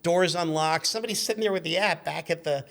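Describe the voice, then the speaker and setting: A man in his fifties with a voice pitched a bit high for a male. He talks as a relaxed guest swapping stories, full of asides and self-corrections. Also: quick pace. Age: 50s. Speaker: guest, car magazine editor. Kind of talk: casual conversational storytelling.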